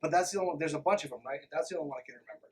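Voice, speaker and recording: A man's voice: on the high side, racing, a little hiss or hum. A man hosting a podcast, reading aloud and commenting in an irreverent, sardonic, emphatic manner. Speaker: podcast host. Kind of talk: reading a text aloud with sarcastic running commentary.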